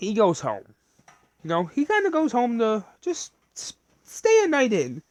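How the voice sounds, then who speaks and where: His pauses are long and frequent. The man talks at a fairly slow pace. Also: dry, close sound with no echo. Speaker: YouTuber telling fan-fiction story. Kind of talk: casual storytelling monologue. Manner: animated.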